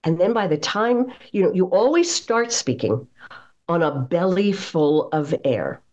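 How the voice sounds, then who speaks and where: In slightly muffled, dull audio, a female voice coach being interviewed as a guest speaks in a lowish, darkish, sing-song voice at an unhurried pace. Her explanations are instructive, with emphasis placed on key phrases.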